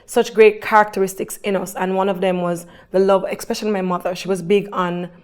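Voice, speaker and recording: A woman's voice: mid-range voice, flat delivery, a little fast, darkish tone. A woman being interviewed who tells her story in an earnest, faith-filled way. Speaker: guest. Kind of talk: conversational interview.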